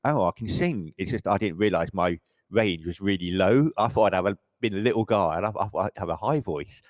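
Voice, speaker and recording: Low-voiced, rambling English man. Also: a little fast, no echo. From England. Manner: rambling, self-correcting, frequent stammered restarts. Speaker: photographer guest. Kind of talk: casual interview chat.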